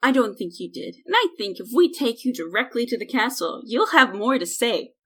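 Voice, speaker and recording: A woman's voice: a little high, very animated, moderate pace, a bit bright, husky, exaggerated voice. A woman playing a determined, menacing young interrogator in an audio drama. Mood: firm, threatening. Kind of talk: audio drama character acting.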